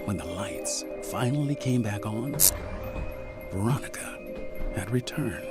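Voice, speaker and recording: A man's voice: on the low side, animated, measured pace. A man narrating a scripted murder mystery audio drama in a theatrical storytelling manner. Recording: music bed under the voice.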